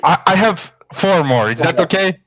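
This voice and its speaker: A man's voice: sits high, expressive, normal speed, a bit bright. A man from Bosnia, a longtime fan joining a live stream, talking eagerly in slang. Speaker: fan calling in. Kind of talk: excited fan chat.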